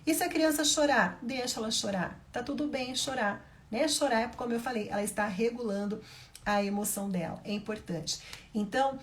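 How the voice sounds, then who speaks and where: A woman's voice: a little high, fairly quick, slight background noise. A woman with a Brazilian Portuguese accent, a mother giving parenting advice straight to her viewers, emphatic and repeating her key points. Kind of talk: direct-to-camera parenting advice talk.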